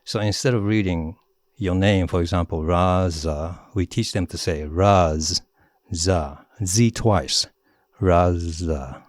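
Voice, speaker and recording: A middle-aged Japanese man with a Japanese accent guests as an author in a casual interview, animated and laughing often as he demonstrates voices. His voice sits low and he takes it slowly. The recording is dry and of studio quality.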